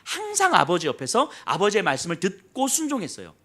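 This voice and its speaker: Male pastor, sermon delivery; high, animated voice, brisk storytelling with acted asides. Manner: lively storytelling, acts out quoted voices, drops to soft low emphasis.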